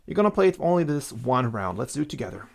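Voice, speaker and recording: A man's voice: medium pitch, very animated, fast talker, vocal fry, darkish tone. A man giving casual, step-by-step guitar instruction, counting out strumming strokes as he goes, with acoustic guitar behind him. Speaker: guitar teacher. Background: acoustic guitar playing.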